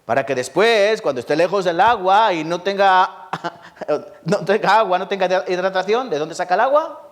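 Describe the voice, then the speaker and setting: A man from Spain with a Spanish accent, preaching a lively Sunday sermon in church, repeating words for emphasis and often asking the congregation questions. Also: high-pitched, moderate pace. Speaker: pastor.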